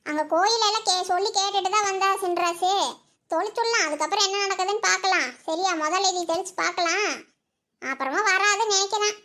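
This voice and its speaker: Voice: very high-pitched, fairly quick, bright, forceful tone, exaggerated voice. A voice actor playing a bossy, scolding old village mother-in-law in a cartoon. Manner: scolding, nagging. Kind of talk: cartoon voice acting.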